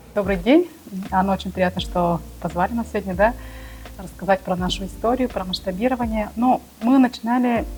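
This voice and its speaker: Over music in the background, a woman speaks with long, frequent pauses. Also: fairly quick pace. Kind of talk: interview.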